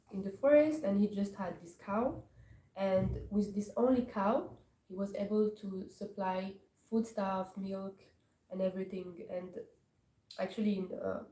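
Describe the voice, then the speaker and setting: A woman from Morocco gives a scripture class, pausing often and searching for her words. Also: medium pitch, mellow. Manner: hesitant, searching for words with many pauses. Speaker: class speaker. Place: temple hall. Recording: echoey hall from far off, faint noise.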